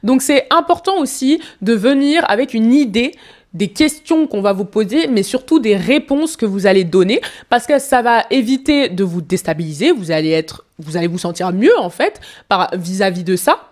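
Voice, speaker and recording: A woman's voice: mid-range voice, animated, normal speed, a little mellow. A woman public speaking coach commenting on a televised interview, giving advice straight to the viewer. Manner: advising, direct to viewer. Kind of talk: speech analysis commentary.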